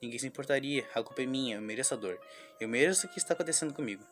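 Anxious young schoolgirl in a game reading, voiced by a man: halting, restarts words, plain mid voice. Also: medium pitch, a bit bright, faint music behind, close to an everyday voice. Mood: despairing. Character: despairing young schoolgirl, anxious and self-blaming. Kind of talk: reading a visual novel aloud.

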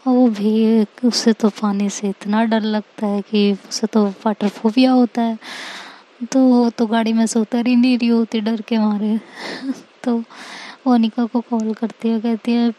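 A woman's voice: fairly high pitch, level tone, a little slow, warm tone, low-quality recording. A woman casually retelling a love story, chatty and linking scenes with repeated "so she says".

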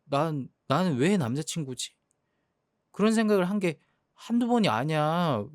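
Actor as a sulking jealous young boyfriend, slightly high voice, very dry close mic. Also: male voice, very animated, moderate pace, no room sound. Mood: hurt. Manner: sulky, hurt, exasperated complaining. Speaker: jealous boyfriend in role-play. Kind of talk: boyfriend role-play drama.

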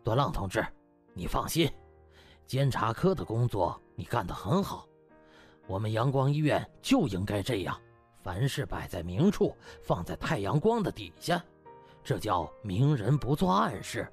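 A man's voice: fairly low pitch, big pitch swings, unhurried, soft background music, pitched below the performer's own voice. A man voicing a shrewd older party official in an audiobook, giving pompous, emphatic speeches. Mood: smooth, righteous. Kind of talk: audiobook character acting.

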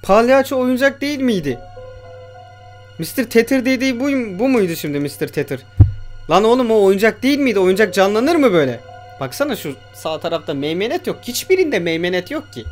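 A man's voice: high voice, big pitch swings, a little fast, faint music behind. A young man giving casual let's-play commentary on a horror game, jumpy, swearing and talking back at the game's creatures. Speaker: gamer.

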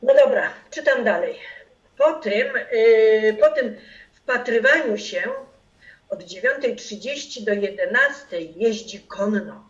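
A woman's voice: fairly high pitch, lively intonation, slow. A woman playing a methodical, eager plotter in an amateur radio play. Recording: slightly muffled home recording.

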